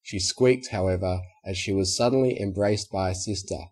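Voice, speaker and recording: A man narrating a storybook in a steady, even reading voice. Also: sits low, normal speed, slightly rough. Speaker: audiobook narrator. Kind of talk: scripted narration.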